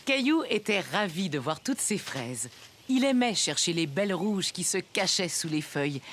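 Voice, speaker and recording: A woman narrating a preschool cartoon like a storybook, in a gentle, expressive storytelling manner. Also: on the low side, normal speed, a little hiss or hum. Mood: warm storytelling. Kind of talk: scripted children's story narration. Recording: music under the voice.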